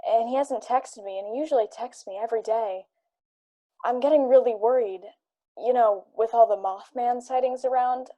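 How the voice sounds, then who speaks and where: Mellow, earnest woman actor in radio drama. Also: on the high side, normal speed, natural voice. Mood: worried, rambling. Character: friendly young woman, anxious client of a detective. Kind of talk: radio drama acting, conversational.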